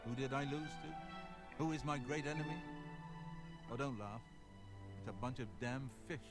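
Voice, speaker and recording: An actor playing a gruff, weary old fisherman who grumbles bitterly in scripted video game dialogue. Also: mid-range voice, moderate pace, natural voice. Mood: defeated, grumbling. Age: older. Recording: loud music over the voice.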